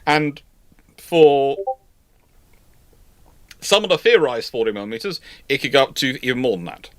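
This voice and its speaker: A man hosting an unscripted live panel discussion, speaking haltingly and rephrasing as he goes. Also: medium pitch, big pitch swings. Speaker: host of a live question panel.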